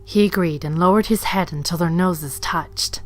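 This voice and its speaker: A woman with a fairly low voice narrates an audio drama over faint music. Her delivery is scripted storytelling, as the narrator of the piece. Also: normal speed.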